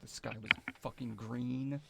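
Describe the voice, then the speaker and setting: A man's voice: medium pitch, steady tone, a little slow, creaky. A man bantering casually as a player in a tabletop game, on a noisy mic.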